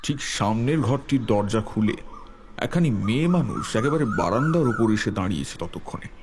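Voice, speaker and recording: Low-voiced man narrating a horror story. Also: expressive, normal speed, background noise. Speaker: story narrator, telling it in the first person.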